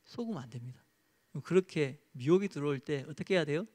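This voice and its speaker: A man's voice: fairly high pitch, animated, fast talker, darkish tone. A male pastor preaching a sermon and leading a closing prayer in an earnest, exhorting manner.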